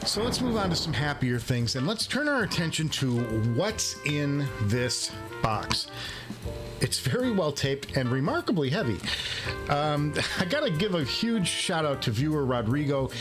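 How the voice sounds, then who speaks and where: A man hosting a headphone review show, chatting casually and excitedly to viewers, joking and repeating phrases for emphasis. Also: on the high side. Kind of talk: casual unboxing vlog talk to viewers.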